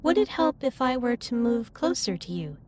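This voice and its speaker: A woman playing a caring alien starship captain in a sci-fi audio drama, speaking formally and in measured phrases with gentle reassurance. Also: on the high side, sing-song, a little hiss or hum. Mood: gentle, reassuring. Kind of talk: scripted roleplay audio drama, intimate comforting monologue. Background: ambient music.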